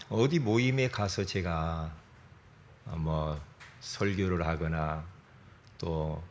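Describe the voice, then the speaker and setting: A middle-aged man delivering a sermon from the pulpit, his pitch swinging widely as he tells stories full of interjections. His voice sits on the low side, and his throat sounds a little strained. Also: a little hiss or hum. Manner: lively storytelling with interjections and self-corrections. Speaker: pastor.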